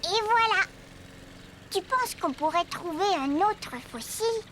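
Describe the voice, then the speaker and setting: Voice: very high voice, expressive, unhurried, over loud music. A performer playing a curious, eager four-year-old boy in a French children's cartoon. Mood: cheerful. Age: young child character.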